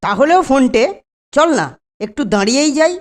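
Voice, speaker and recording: A woman's voice: sits high, expressive, moderate pace, darkish tone. A woman voicing a cautious but cheerful young boy sidekick in a children's cartoon. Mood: worried.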